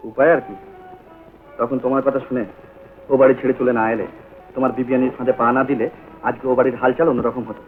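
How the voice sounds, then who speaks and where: An actor playing a bitter young husband who speaks in terse, reproachful lines in a vintage film drama. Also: male voice, medium pitch, level tone, fast talker, long pauses, faint music behind, natural voice. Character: bitter regretful young husband, short-tempered. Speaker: grown son in a family film drama. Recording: tinny lo-fi old film sound.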